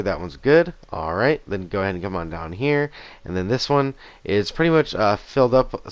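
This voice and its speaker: A man in his thirties with a raspy voice after a concert, casually talking through gameplay footage on a headset in a small home room. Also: on the low side, dry recording. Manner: easygoing, rambling with fillers and restarts. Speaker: gaming channel host. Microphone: gaming headset.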